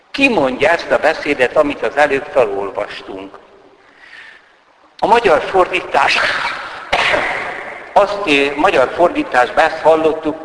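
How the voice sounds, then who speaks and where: Priest giving a sermon, mid-pitched voice, lots of church echo and long reverb. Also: male voice, fairly bright tone. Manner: preaching, rising and falling with emphasis.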